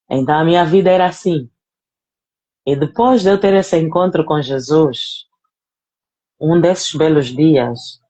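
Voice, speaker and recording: A woman with a low-pitched, dark voice, a guest giving a testimony, shares her personal faith story earnestly and emotionally. She addresses the apostle directly and repeats phrases for emphasis.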